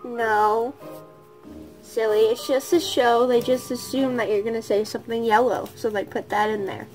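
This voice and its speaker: A woman voicing a patient classroom teacher who scolds gently in a stern but soft manner. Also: fairly high pitch, steady tone, normal speed, faint music behind, voice pushed down, lightly acted, low-quality recording. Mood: scolding.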